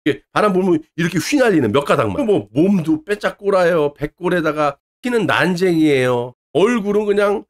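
A man's voice: high voice, lively intonation, normal speed, few pauses. A male channel host delivering an angry political rant, abusive, insulting and swearing nonstop.

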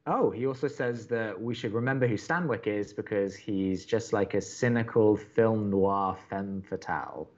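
A man's voice: lowish voice, normal speed, few pauses, dull audio, faint music behind, close to an everyday voice. A man playing an upbeat, chatty young college radio co-host in an audio romantic comedy, earnest and wry. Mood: wry, animated.

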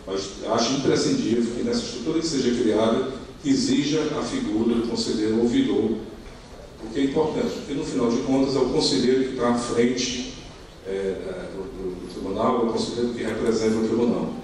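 A middle-aged man with a Brazilian accent giving a formal, partly improvised conference talk, halting and repeating words as he searches for phrasing. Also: medium pitch, a little mellow. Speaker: conference speaker. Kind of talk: semi-extempore formal presentation. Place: indoor conference hall at a lectern. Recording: echoey hall, distant mic, faint noise.

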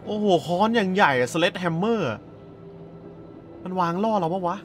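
A man giving excitable, joking, casual commentary as he plays a horror game, full of exclamations. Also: high voice, unhurried, soft background music. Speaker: gaming host. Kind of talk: casual let's-play commentary.

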